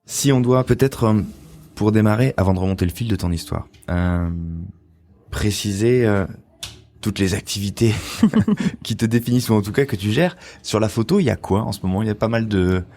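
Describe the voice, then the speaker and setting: A man hosting a podcast, reading an emphatic, lively intro and then interviewing his guest. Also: on the low side, moderate pace. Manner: lively, emphatic narration rising on key words. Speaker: podcast host.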